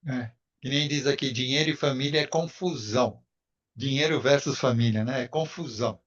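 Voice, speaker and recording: A man's voice: mid-range voice, moderate pace, fairly bright tone. A man joining a group talk as a participant, hesitantly passing on a comment. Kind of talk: casual comment in a group call. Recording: dull lo-fi call audio.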